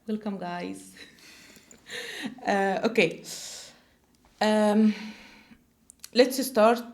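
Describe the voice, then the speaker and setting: A woman's voice: mid-range voice, fairly even intonation, very slow, darkish tone. A woman, co-hosting a podcast in a studio and speaking hesitantly with many fillers. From Egypt. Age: 20s. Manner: hesitant, many "uh" fillers, asks guests questions. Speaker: podcast co-host. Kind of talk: casual podcast chat. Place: small studio.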